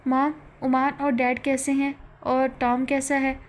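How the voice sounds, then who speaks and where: Sad young woman in a storybook, woman reading, soft, pleading, kinda high-pitched. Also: little pitch movement, unhurried. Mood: tearful. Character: heartbroken young woman, tearful heroine.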